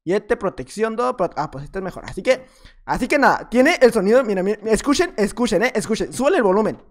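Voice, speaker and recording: A man narrates his own gaming session in a loose, chatty way. He jokes around, trails off now and then and taunts his rivals. His tone stays relaxed and unscripted. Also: high-pitched, fast. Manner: playful, rambling, teasing opponents. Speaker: gaming video creator. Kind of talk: casual gameplay commentary.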